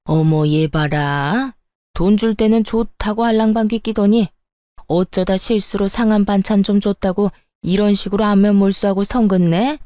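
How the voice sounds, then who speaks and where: A woman's voice: medium pitch, steady tone, moderate pace, mellow, no echo, natural voice. A woman voicing a bossy, self-pitying older mother-in-law who scolds and wails theatrically. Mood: scornful. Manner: scolding, sneering, wailing theatrically. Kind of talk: storytelling narration.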